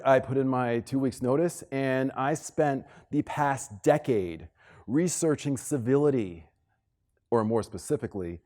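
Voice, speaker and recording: A man's voice: mid-range voice, darkish tone. American man giving an emphatic keynote. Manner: emphatic, conversational, repeats phrases for effect. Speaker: keynote speaker. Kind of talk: motivational conference keynote, personal storytelling. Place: live talk on stage to a room of listeners. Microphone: stage microphone.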